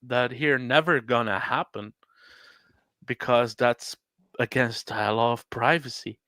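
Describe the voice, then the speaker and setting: A man from Belgium, a Dutch speaker, chatting casually and haltingly, often repeating words. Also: mid-range voice, sharp tone, no echo. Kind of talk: casual podcast chat.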